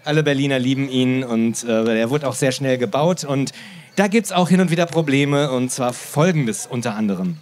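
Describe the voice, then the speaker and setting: A man from the Sauerland hosting a limerick reading event, chatting between readings and reciting limericks slowly. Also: medium pitch, darkish tone. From Sauerland, Germany. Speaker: host.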